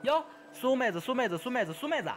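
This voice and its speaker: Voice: mid-range voice, big pitch swings, soft background music, natural voice. A performer in an amateur radio drama playing a hyperactive young male gamer who chatters, repeats words and badgers indignantly. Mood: excited, indignant. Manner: rapid-fire, repetitive, badgering.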